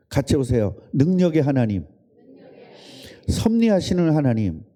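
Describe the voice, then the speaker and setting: A man's voice: high-pitched, dark tone. A man preaching a casual sermon, chatting with and quizzing his congregation and its children. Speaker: pastor. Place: church service room.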